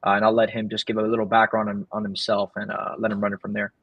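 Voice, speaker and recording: A man's voice: on the low side, completely flat delivery, fast talker, gravelly, dry recording, lo-fi sound. A man hosting an online audio chat who keeps dropping "right?" into his sentences as he explains his points. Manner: leans on "right?" as a tag. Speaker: host of an online audio space. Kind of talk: casual pitch-style chat.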